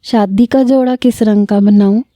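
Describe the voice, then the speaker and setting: A woman reading a story aloud, voicing a young village bride-to-be who talks in a thin, high voice with a Punjabi lilt. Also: fairly even intonation, dark tone, no room sound, natural voice. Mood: coy.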